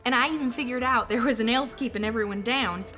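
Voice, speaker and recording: A woman's voice: fairly high pitch, fast talker, pushed and bright, faint music behind. A woman playing a plucky, teasing young ghost of a village sister in an audio drama, with a folksy, plain-spoken manner. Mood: earnest.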